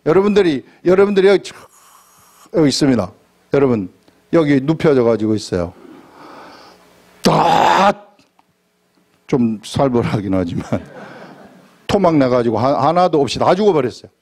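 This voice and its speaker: A man's voice: mid-range voice, sing-song, moderate pace, long pauses, darkish tone. A man preaching a sermon as a church pastor, putting questions to the congregation and acting out pleading prayers.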